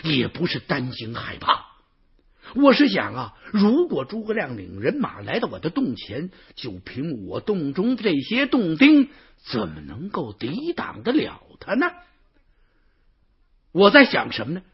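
A man's voice: on the high side, wildly swooping pitch, unhurried, gravelly, breathy edge, full character voice. A man playing an earnest chieftain ally. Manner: pleading, explaining earnestly. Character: allied chieftain, earnest and persuasive. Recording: dull lo-fi recording.

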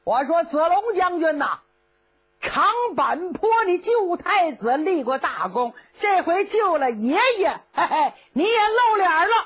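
A woman's voice: extremely high pitch, sing-song, a little slow, muffled recording, pitched above the performer's own voice, exaggerated voice. A woman voicing a boastful, blustering old male general, bragging in comic bluster. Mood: gloating.

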